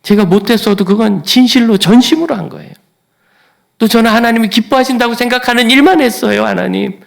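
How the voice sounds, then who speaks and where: A man's voice: high voice, big pitch swings, fairly quick, creaky, a little mellow, voice pushed up, full character voice. A man voicing an ancient king who pleads earnestly with God in prayer. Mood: pleading.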